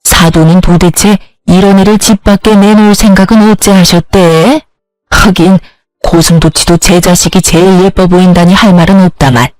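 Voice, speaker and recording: A woman's voice: lowish voice, fairly even intonation, normal speed, a little mellow, no echo, natural voice, rough recording. A spiteful older mother-in-law from a narrated story, read by a woman, heaping contempt on her daughter-in-law. She sounds dry and close, with faint music underneath. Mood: scornful. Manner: insulting, contemptuous scolding.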